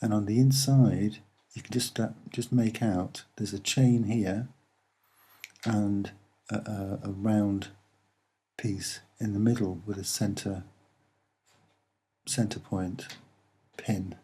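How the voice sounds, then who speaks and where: A soft-spoken man with a slightly husky voice, presenting and explaining images in an unhurried, earnest way with hesitant pauses. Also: on the low side, steady tone. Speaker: online video presenter.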